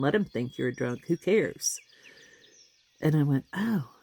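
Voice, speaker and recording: A woman speaks with lively intonation. Her pitch is very deep and low. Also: dry, close sound with no echo. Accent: Southern US. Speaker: spiritual teacher and tarot reader. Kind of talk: casual teaching monologue. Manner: animated.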